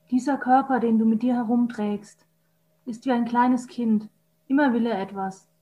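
A woman reads a translated poem aloud in a measured recitation. Her voice sits somewhat high. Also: a little mellow, rough recording. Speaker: poem reader.

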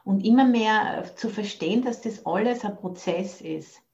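A Buddhist nun teacher from Austria gives a dharma talk over video, her medium-pitched, darkish voice at a measured pace. Thoughtful, she searches for words and adds English phrases, and the recording has its highs cut off.

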